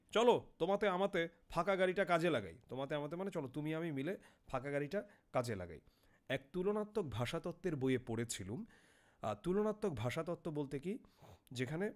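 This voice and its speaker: A young man teaching a literary text, his voice sitting a little high for a man. He reads a line, then stops to ask what a word means and answers it himself. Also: a little mellow. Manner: reads a passage, then explains each word with questions.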